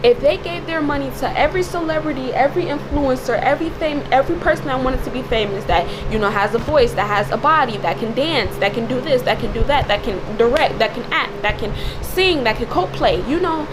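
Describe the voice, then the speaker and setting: A woman with a slightly raspy, cracking voice giving informal, preachy commentary in an emphatic, repetitive way as a video creator. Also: high voice, lively intonation, fairly quick, few pauses, background noise. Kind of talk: informal spoken commentary with religious exhortation.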